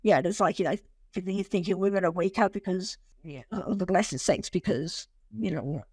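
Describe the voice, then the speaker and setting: A woman's voice: lowish voice, moderate pace, a little mellow, breathy edge. A woman in her forties, a disability inclusion consultant, telling stories animatedly in a casual interview, laughing often and restarting sentences. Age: 40s.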